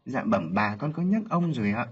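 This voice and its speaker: A man's voice: mid-range voice, very animated, normal speed, breathy edge. A man voicing a humble young male household servant who answers politely and deferentially. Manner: polite, bowing speech. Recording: lo-fi with faint music.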